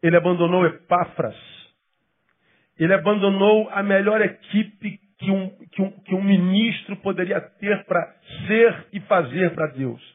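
A male pastor preaches a sermon with a fairly high, husky voice. He leans hard on key phrases, then falls to soft, low asides. The recording is thin and phone-like. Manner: emphatic preaching with sudden drops to quiet, low asides; acts out quoted people in quick bursts.

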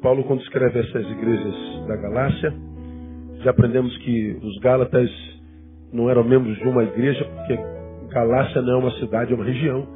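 A fifty-year-old Brazilian pastor with a Rio de Janeiro accent, preaching conversationally to a congregation and repeating words for emphasis. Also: male voice, medium pitch, fairly even intonation, brisk. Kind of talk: sermon, conversational teaching to a congregation. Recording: thin phone-like sound, guitar music behind.

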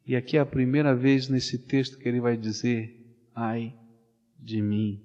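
A man with a Brazilian Portuguese accent preaching a sermon, swinging from loud animated storytelling to hushed, slow pleading. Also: mid-range voice. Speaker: pastor. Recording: dull sound with long hall reverb.

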